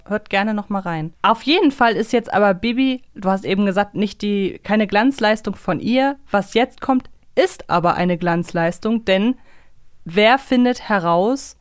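A woman's voice: mid-range voice, unhurried, clear, resonant tone. A woman co-hosting a podcast, discussing things casually in a thoughtful, explanatory way. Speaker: podcast co-host.

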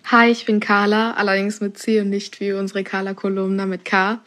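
20s girl, medium pitch, pretty even delivery, listener voice message. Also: fairly quick. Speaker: listener sending in a quiz question. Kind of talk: short recorded voice message.

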